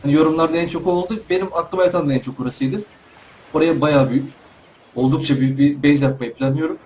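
A man's voice: a little high, quick pace, darkish tone, slight background noise. Chatty young man doing game commentary. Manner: chatty, talks to himself and the animals. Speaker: gaming YouTuber. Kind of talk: casual let's play commentary.

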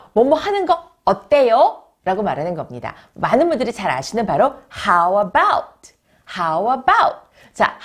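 A Korean woman teaches English the way she would on the radio. Her voice swings widely up and down, and it sounds a little husky. She slows right down whenever she demonstrates an English phrase. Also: medium pitch. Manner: lively and expressive, drawing out English example phrases slowly and clearly.

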